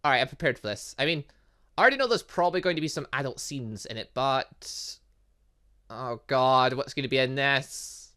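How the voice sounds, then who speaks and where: A man's voice: medium pitch, normal speed, pushed and bright. A man giving casual, chatty gaming commentary, thinking aloud as he goes. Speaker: gaming channel host. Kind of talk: casual gaming commentary, reading visual novel dialogue aloud.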